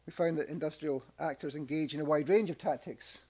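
A man's voice: a little high, a little fast, warm tone. A middle-aged man with a Scottish accent giving a conference presentation at a podium microphone, with dry asides and frequent restarts. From Scotland. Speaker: academic researcher presenting. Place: press club conference room.

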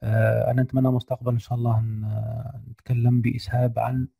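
A tired man giving a screen-share software lesson on a video call, hesitant with many fillers and English technical terms mixed in. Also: medium pitch, flat delivery, fast, creaky, no room sound. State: tired, slightly unwell voice. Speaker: guest lecturer.

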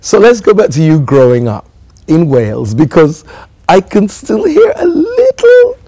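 A middle-aged man hosts an informal interview. His voice is mellow and moves freely up and down as he chats. The sound is fairly dry. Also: sits high, huge pitch swings, unhurried, dry recording. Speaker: interview host. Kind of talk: casual chat interview. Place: seated in a large indoor theatre auditorium.

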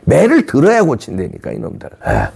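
A man's voice: a little high, huge pitch swings, brisk, vocal fry, darkish tone, slight background noise. A man hosting a political commentary show, talking in an emphatic, scolding way and often acting out the voices of the people he quotes. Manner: insulting, scolding.

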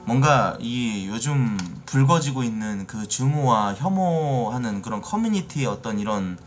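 Male streamer, casual rant, profane and heated, wide swinging pitch, faint music bed underneath. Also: lively intonation, unhurried. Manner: angry, profane, rising to shouting. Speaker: live streamer.

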